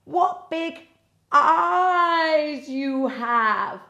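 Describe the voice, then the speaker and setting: Woman playing a high-voiced innocent little storybook girl. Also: lively intonation, extremely slow, gravelly, bright, forceful tone, reverberant, heavily acted. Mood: puzzled wonder. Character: innocent, trusting little girl in a fairy tale.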